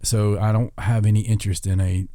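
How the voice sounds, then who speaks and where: A man's voice: fairly low pitch, little pitch movement, fairly quick, warm tone, no echo, clean studio sound. A man co-hosting a podcast in casual banter, irreverent and rambling, with mild swearing. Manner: irreverent, rambling, mildly profane. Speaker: podcast co-host. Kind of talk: casual paranormal talk show banter.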